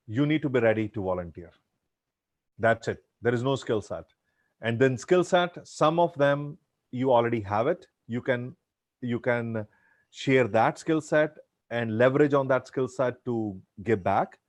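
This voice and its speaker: A man's voice: mid-range voice, animated, unhurried, no echo. A middle-aged man with an Indian accent and Punjabi as his first language, earnestly answering audience questions over a video call and often repeating himself. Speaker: guest speaker.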